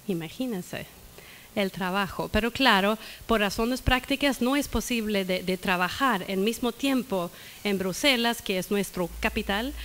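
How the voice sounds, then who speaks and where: A woman with a Swedish accent talks at a fairly slow pace, her fairly high pitch showing ordinary variation. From Sweden, northern. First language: Swedish (speaking Spanish). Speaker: EU official giving a talk. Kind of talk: lecture. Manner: halting, with fillers and restarts.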